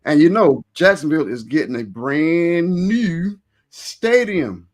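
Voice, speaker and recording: A man's voice: on the high side, lively intonation, slow. A man hosting a live stream, chatting informally and rambling a little as he repeats and reworks his phrases. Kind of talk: casual interview chat with event plugs.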